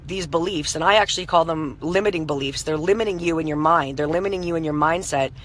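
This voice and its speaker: Hosting a motivational live stream, this entrepreneur in her late thirties speaks quickly in a deep, hoarse, scratchy voice. Her delivery is relaxed and conversational, thick with "you know" fillers, and she keeps stopping to welcome viewers by name. Faint humming noise sits underneath.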